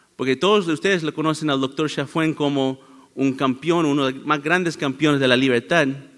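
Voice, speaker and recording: A man speaks fairly quickly, his fairly high voice keeping a fairly even intonation. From United States, Bolivian parents. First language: English or Spanglish (speaking Spanish). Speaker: military veteran and security speaker. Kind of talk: conference talk. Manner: halting, many fillers and repeats.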